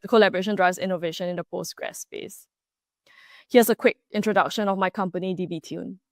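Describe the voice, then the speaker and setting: A woman from Singapore gives a prepared conference talk in an enthusiastic, steady tone, stumbling now and then on a word. Her voice sits at a middle pitch. It is recorded close and dry, with no room sound. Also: no room sound. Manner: enthusiastic, reads prepared remarks with small restarts. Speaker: conference speaker.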